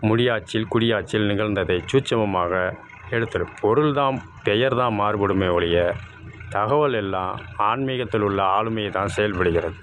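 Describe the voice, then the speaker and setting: A man's voice: on the low side, fairly bright tone, a little hiss or hum. A man giving a talk on spiritual meanings of words, explaining patiently and repeating key phrases. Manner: repetitive, explains word sounds and meanings. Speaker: spiritual speaker.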